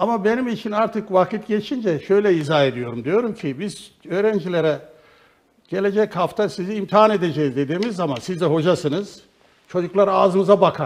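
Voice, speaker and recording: Here a man speaks in a high voice with lively intonation. His pace is moderate. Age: 70s. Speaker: retired engineering professor. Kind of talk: religious talk show conversation.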